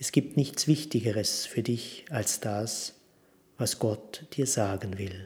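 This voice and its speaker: Very slowly, a man speaks in a somewhat breathy voice. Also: medium pitch for a man, ordinary pitch variation. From Austria, Tyrol. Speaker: monk. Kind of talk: scripted narration. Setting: monastery.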